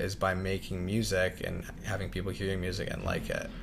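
Speaking at a fairly quick pace, the man has a Canadian accent. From Ontario, Canada (Niagara region). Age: 20s. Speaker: music producer and DJ. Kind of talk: casual interview chat.

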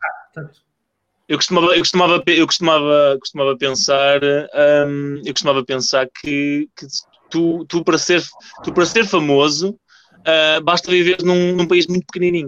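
Speaking at a moderate pace, a man with an ordinary speaking voice and a fairly high pitch keeps his intonation fairly even, in a dry, close sound with no echo. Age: 30s. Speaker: podcast host. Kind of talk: casual chat.

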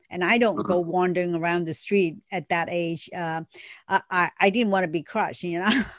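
In a Vietnamese accent, a woman speaks at a moderate pace with fairly low pitch and ordinary pitch variation, in a very clean recording with a silent background and a dry, close sound with no echo. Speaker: author and co-host. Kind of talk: casual chat.

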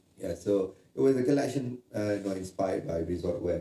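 The voice has a dark, mellow tone and is somewhat breathy. Its intonation is lively. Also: man. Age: 40s. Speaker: fashion creative director. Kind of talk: casual interview. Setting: studio couch.

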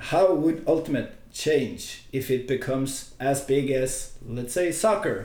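This man has a Norwegian accent and a fairly high pitch. His tone is dark and mellow, with lively intonation. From Norway. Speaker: podcast co-host. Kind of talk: casual chat.

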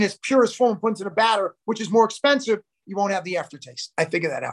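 Dry and close with no echo, a man with a New York accent talks at a very fast pace and high pitch, with ordinary pitch variation. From New York City. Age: 50s. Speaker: clinical nutritionist and health coach. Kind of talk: interview conversation. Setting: video call from home with dogs.

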